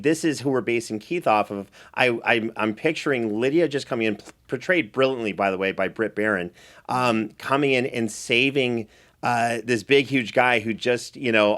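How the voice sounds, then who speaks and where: A man's voice: medium pitch, a little fast, fairly bright tone. Male podcast host, mid-range voice, effusive and conversational, steering a recap discussion. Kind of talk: chatty recap show hosting.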